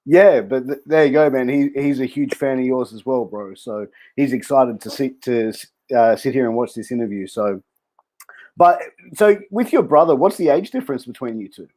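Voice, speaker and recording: A man's voice: medium pitch, normal speed, darkish tone. A man hosting a casual podcast interview, chummy and friendly, peppering his talk with dude and bro. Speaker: podcast host.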